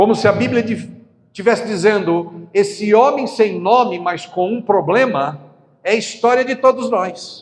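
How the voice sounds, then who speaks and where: A man's high voice at a fairly slow pace, ordinary pitch variation, and audible room echo. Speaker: pastor. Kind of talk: sermon.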